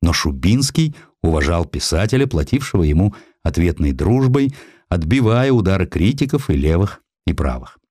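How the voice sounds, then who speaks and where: A man with a low-pitched voice reads scripted historical narration. His storytelling is theatrical and richly varied in intonation. The studio sound is close and very dry. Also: very animated, moderate pace, warm tone, no room sound. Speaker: audiobook narrator. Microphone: close studio microphone.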